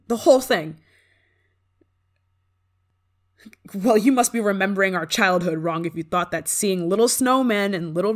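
A woman playing a haughty young pop star who is prickly but secretly soft, in an ASMR roleplay, bragging and easily flustered. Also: mid-range voice, lightly acted. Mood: defensive, indignant. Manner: tsundere: bragging and dismissive, flustered stammering when touched. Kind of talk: ASMR roleplay acting, one-sided dialogue.

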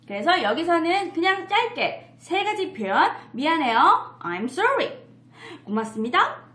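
Woman teacher, playful, unhurried, echoey room. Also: extremely high pitch, big pitch swings, a bit bright. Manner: playful, models English phrases slowly with laughs. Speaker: English teacher for parents. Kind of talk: picture-book English lesson.

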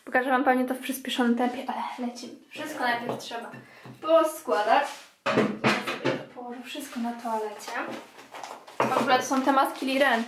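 A woman's voice: high voice, steady tone, normal speed, background noise. Chatty young woman in an echoey bathroom. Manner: chatty, addresses viewers as "girls". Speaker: beauty vlogger. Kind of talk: casual clean-with-me vlog narration. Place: home bathroom.

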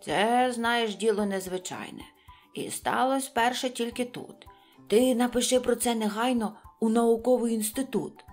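A woman's voice: a little high, lively intonation, normal speed, a little mellow, soft background music, pitched above the performer's own voice. A woman voicing a sly, teasing young male hedgehog in a children's storybook, breezy and persuasive. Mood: sly persuasion.

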